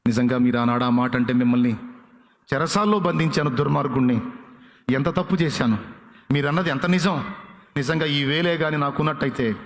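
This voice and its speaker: A man's voice: medium pitch, a little fast, long pauses, lightly acted. A man voicing a remorseful king in a sermon story, in a pleading tone. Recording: long hall reverb.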